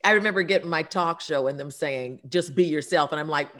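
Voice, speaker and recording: A woman talk show host with a Southern US accent, a loud voice and a big laugh, talking in a lively, folksy way. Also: low-pitched, a little fast, dry recording, studio quality. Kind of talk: casual chat and promo.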